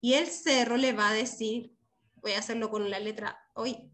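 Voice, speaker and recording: A woman's voice: fairly high pitch, steady tone, normal speed, a bit bright. A woman with a Chilean accent teaching young children over a video call, patient and affectionate. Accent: Chilean Spanish. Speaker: primary school teacher. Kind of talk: online class teaching.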